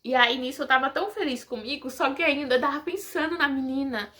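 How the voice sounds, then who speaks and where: A woman's voice: sits high, quick pace, pushed and bright. A young woman, telling her personal story to viewers in an emotional, religious, casual way, laughing often. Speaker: vlogger giving a personal testimony.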